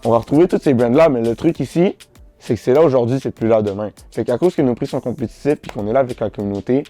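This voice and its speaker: Jeune homme québécois, voix sombre et détendue. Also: male voice, mid-range voice, quick pace, dry recording, faint music behind. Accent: Québécois French. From Montreal, Canada. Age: teens. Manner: relaxed, slangy, repeats himself with many restarts. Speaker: boutique founder, interviewee. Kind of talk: casual interview answers.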